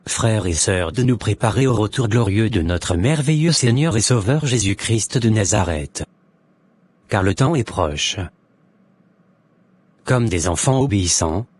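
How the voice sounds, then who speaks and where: A man's voice: lowish voice, a little mellow, husky. A man voicing an earnest, devout Christian convert in a cartoon, speaking in a solemn, exhorting, formal way. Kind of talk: scripted Christian animation dialogue and preaching.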